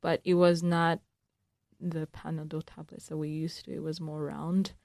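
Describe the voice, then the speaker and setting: A young woman from Uganda, a student guest answering radio interview questions in an earnest, thoughtful way with frequent pauses. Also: sits low, level tone, gravelly, a little mellow, dry recording, clean studio sound. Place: radio studio.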